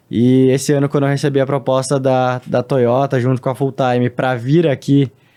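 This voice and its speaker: A man's medium-pitched voice in a southern Brazilian accent, dark and mellow, with monotone, flat intonation, very even loudness and a moderate pace. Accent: southern Brazilian (gaúcho). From southern Brazil, Novo Hamburgo, Rio Grande do Sul. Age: 20s. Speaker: racing driver. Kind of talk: interview.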